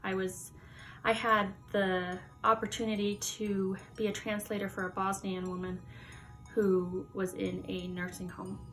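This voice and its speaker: A young woman from the United States chatting casually to the camera in her vlog, lively and laughing often. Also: mid-range voice, measured pace, soft background music. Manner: chatty, laughs often, animated hand gestures. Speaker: YouTuber. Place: Halloween-decorated room indoors.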